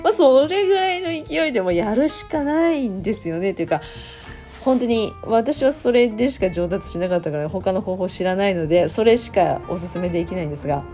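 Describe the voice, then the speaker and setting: A middle-aged woman hosting a casual spoken English lesson, chatty and animated, laughing often and repeating practice phrases over and over. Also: mid-range voice, brisk, soft background music. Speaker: English teacher and podcast host.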